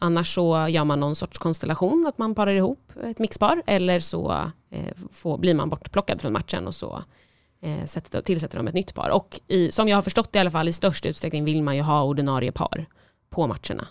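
A woman with a normal speaking voice talks at a fairly quick pace, her fairly low pitch carrying lively intonation in a dry, close sound with no echo. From Sweden, Stockholm. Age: 20s. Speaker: handball referee. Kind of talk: casual chat.

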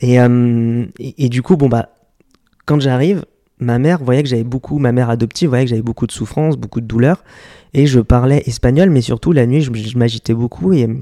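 A man with a dark, mellow tone speaks at a medium pitch and moderate pace with ordinary pitch variation, the sound dry and close with no echo. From France (adopted from Guatemala at age two). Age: 30s. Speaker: copywriter. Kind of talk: casual chat.

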